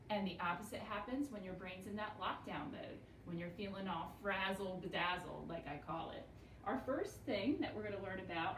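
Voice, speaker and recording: A woman teaching young students, explaining slowly and patiently, with call-and-response repetition. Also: medium pitch, slight background noise. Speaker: elementary school teacher. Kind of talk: classroom lesson video. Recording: echoey room, voice from a distance.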